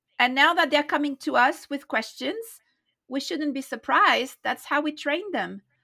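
With a raised, projected voice, a woman speaks at a high pitch with ordinary pitch variation and a moderate pace on a very clean recording with a silent background. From France. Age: 50s. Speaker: missionary. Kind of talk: interview.

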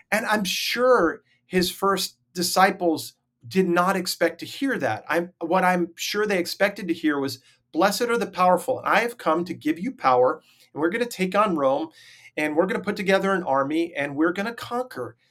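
With lively intonation and a high pitch, a man speaks at a moderate pace on a very clean recording with a silent background. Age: 50s. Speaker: seminary professor and counselor. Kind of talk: podcast interview.

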